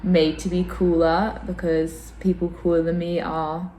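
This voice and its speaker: Echoey room, woman vlogger, slightly low voice, mild sore throat, informal opinionated chat. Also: flat delivery, measured pace, mellow. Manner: informal, opinionated, self-deprecating. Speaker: vlogger and host. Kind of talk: casual fashion chat to camera. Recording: roomy echo, clear background noise.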